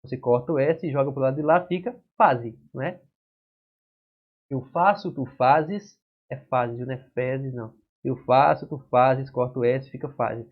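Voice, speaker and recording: A man's voice: medium pitch, normal speed, husky. A male exam-prep teacher with a Brazilian accent, walking through verb conjugations at a whiteboard and checking in with students. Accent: Brazilian Portuguese. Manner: explains step by step with frequent "certo?" and "né?" checks. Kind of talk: whiteboard grammar lesson. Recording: dull lo-fi classroom recording.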